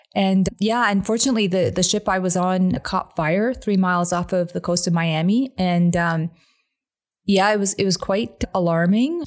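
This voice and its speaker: A woman with a Canadian accent speaks at a moderate pace in a medium pitch, her intonation ordinarily varied, on a very clean recording with a silent background. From Lebanon, raised in Ontario from age nine. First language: Arabic. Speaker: customer success professional. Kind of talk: interview. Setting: podcast.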